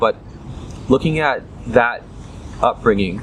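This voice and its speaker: A man speaks with an American accent and ordinary pitch variation over noticeable background noise. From Maryland, USA. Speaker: spoken word poet and DJ. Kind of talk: interview answer.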